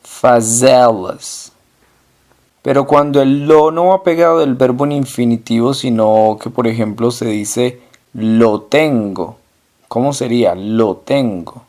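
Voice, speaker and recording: A man teaching a language lesson, asking questions and then answering them himself, slowly repeating each example word. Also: medium pitch, fairly even intonation, a little mellow.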